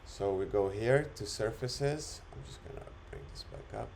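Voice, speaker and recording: Man demonstrating software for a tutorial. Lowish voice with gravelly fry, step-by-step delivery. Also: normal speed, a little hiss or hum. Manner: step-by-step, instructional. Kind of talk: screen-recorded tutorial walkthrough, unscripted.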